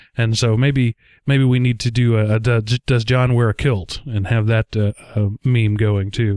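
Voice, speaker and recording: A man with an American accent and medium pitch speaks fairly slowly in a monotone, flat intonation, his loudness very even and the sound dry and close with no echo. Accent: Texas accent, thicker when tired. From Texas. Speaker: podcast host. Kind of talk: casual podcast chat.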